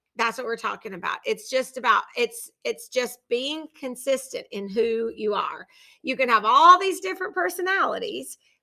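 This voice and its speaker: Bright and sharp in tone, this raised, projected voice runs at a moderate pace with hardly any pauses, sounding animated and swinging very widely in pitch. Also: woman, high pitch for a woman. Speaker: podcast host and life coach. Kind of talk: casual chat. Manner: loud.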